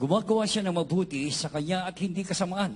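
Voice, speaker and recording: A man talks at a moderate pace. His voice sits high in pitch. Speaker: church announcer and Bible reader. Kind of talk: formal announcement and scripture reading. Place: church. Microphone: handheld.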